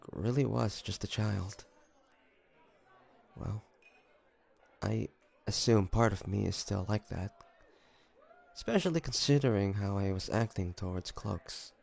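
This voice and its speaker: Man acting a husky, hesitant young hunter. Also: lowish voice, a little mellow, exaggerated voice. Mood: wistful. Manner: halting, hesitant, stammering. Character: earnest, emotional young hunter haunted by lost memories. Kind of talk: dramatic audio roleplay acting.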